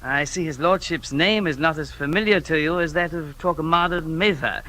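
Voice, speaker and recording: An actor playing a sly, smooth male informer in a 1950s radio drama, suave and insinuating. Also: fairly high pitch, moderate pace, sharp tone, slight background noise, poor audio. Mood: silky.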